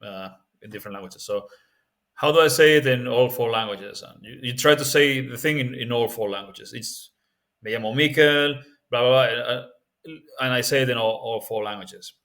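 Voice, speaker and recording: Spanish accent guy teaching language stuff, casual, thinks out loud, lots of "yeah?". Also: mid-range voice, normal speed. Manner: relaxed and thinking aloud, with frequent fillers and tag questions. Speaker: language-learning video host. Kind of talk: casual spoken tutorial.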